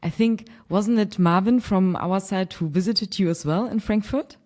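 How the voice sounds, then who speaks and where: A woman's voice: mid-range voice, moderate pace, darkish tone. A woman from Germany hosting a casual podcast interview over a call, chatty and laughing easily. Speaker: podcast host. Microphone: remote call.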